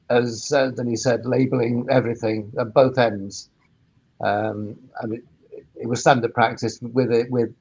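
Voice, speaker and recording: Flat-toned, low-key man explaining. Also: dull audio. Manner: halting, repeats words as he explains. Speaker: sound engineer and workspace operator, panellist. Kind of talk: expert webinar answers.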